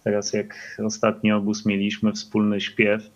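A man from the congregation calmly sharing a thought, heard over a remote connection. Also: fairly low pitch, unhurried. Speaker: church member sharing a remark. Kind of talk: remote call-in contribution. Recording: dull lo-fi remote audio.

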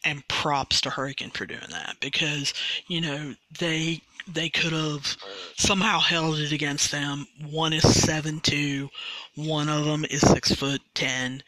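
A podcast host, explaining a rule slowly and carefully in a casual monologue. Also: mid-range voice, bright, forceful tone, no echo, rough recording. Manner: slow, deliberate, careful explaining with restarts.

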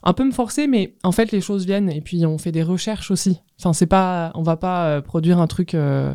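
Hesitant woman in her thirties, mellow low voice. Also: moderate pace, no echo, studio quality. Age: 30s. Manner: hesitant, searching for words. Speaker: guest artist, ceramicist. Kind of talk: casual interview answers.

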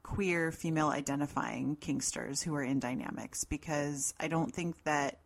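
A middle-aged woman with a deep voice, co-hosting a podcast in casual banter with dry, understated interjections. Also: normal speed, creaky. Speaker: podcast co-host.

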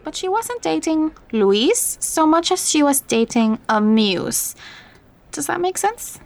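Caring, higher-voiced motherly Latina confidante. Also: very animated, slow pace, gravelly, full character voice. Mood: gently worried. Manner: gentle, code-switches into Spanish. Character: caring, probing motherly Latina confidante, teasing but gentle. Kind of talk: naturalistic fiction podcast acting.

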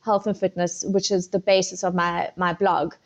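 A middle-aged woman with a South African accent talks through her answers in a fairly low voice. She rambles, restarts her sentences and fills the gaps with ums, like a relaxed podcast guest. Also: normal speed. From Zimbabwe and South Africa. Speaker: podcast guest, food photographer.

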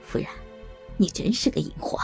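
A woman's voice: moderate pace, darkish tone, faint music behind, lightly acted. A woman voicing a sly, leering old man who gloats and chuckles mockingly. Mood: gloating, sly.

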